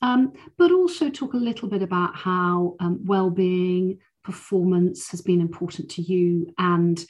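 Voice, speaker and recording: A woman hosting a podcast, reading a warm, encouraging introduction, then chatting with her guest. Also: fairly low pitch, unhurried. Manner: warm, encouraging, many fillers in chat. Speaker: podcast host. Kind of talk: scripted intro, then casual interview.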